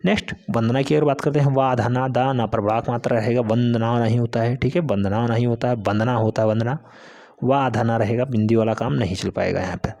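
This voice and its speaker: A man's voice: mid-range voice, fairly even intonation, brisk, vocal fry, darkish tone. A male teacher giving an exam-prep spelling lesson, repeating each word several times in an emphatic, drill-like way and calling his students "beta".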